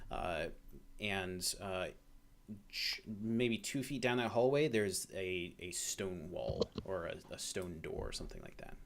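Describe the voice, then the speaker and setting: A man with a fairly low voice narrates as dungeon master. He feels his way through each description, stalling on fillers and restarting phrases as he sets the scene. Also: a little hiss or hum. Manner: hesitant, many fillers and restarts. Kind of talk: narrating a tabletop game.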